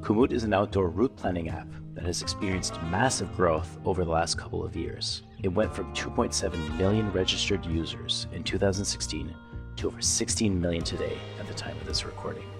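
A man's voice: deep voice, a little fast, gravelly, over music. A man hosting a podcast, reading a scripted introduction and then asking friendly questions with frequent restarts. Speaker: podcast host.

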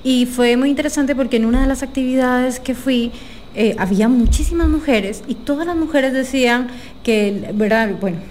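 A woman, talking thoughtfully and softly as a guest in a casual interview. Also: high-pitched, moderate pace, a little hiss or hum. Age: 30s.

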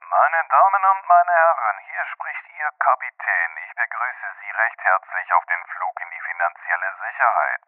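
A man's voice: lowish voice, lively intonation, normal speed, hardly any pauses, no room sound. A man voicing an airline captain in a scripted ad, speaking formally as if over a cockpit intercom to the cabin. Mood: announcing. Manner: formal, welcoming announcer delivery. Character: male airline captain making a cabin announcement. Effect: pilot announcement over a cabin intercom, thin and phone-like. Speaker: advertisement voice. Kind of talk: scripted radio ad. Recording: tinny intercom-like ad audio, distant.

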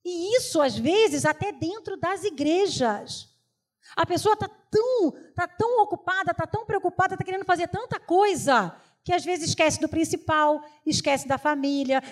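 A middle-aged woman from Brazil, preaching a lively, joking sermon to a congregation and telling stories from family life. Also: high voice, moderate pace. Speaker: women's preacher. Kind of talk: humorous sermon.

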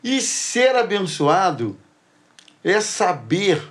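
A middle-aged man, a church program host who tells stories in a lively way and acts out the dialogue. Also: high voice, extremely slow. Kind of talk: animated storytelling and Bible talk.

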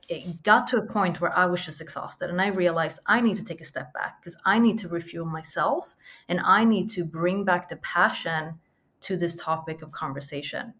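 Interview guest: woman, Swedish accent mostly Americanized, lowish register, thoughtful and emphatic. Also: fairly bright tone. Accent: Swedish, mostly American-sounding. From Sweden. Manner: earnest, reflective, emphatic repetitions. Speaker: podcaster guest. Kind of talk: conversational interview.

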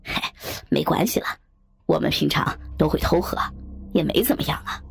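A woman voicing a cocky teenage boy who talks casually with a grin, with soft music behind. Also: low voice, wildly swooping pitch, normal speed, vocal fry, a little hiss or hum, pitched below the performer's own voice, exaggerated voice. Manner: casual, grinning.

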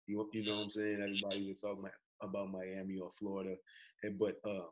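A young man from the Bahamas with a Bahamian accent, a guest in a casual interview over a video call, relaxed and laid-back, often saying "bro" and "you know". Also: on the low side, fast, dull audio. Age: young adult. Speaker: guest, college athlete.

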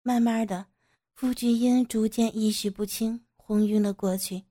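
Mellow-voiced woman narrating a story. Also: fairly high pitch, steady tone, measured pace. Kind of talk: scripted audio story narration.

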